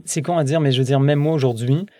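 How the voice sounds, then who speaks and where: Born in France and raised in Quebec, a man in his thirties with a Québécois French accent chats casually as a guest, rambling with lots of restarts and fillers. His mid-range voice is warm and quick, with no room sound.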